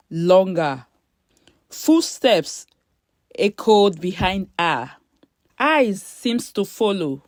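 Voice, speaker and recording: Female storyteller, slow pace, dramatic scripted narration, deliberate short phrases, dry close recording. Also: medium pitch, darkish tone, dry recording.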